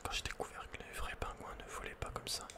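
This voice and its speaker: A man whispering playful, casual ASMR commentary over a video game in a breathy, unvoiced voice, close to the microphone. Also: fast talker.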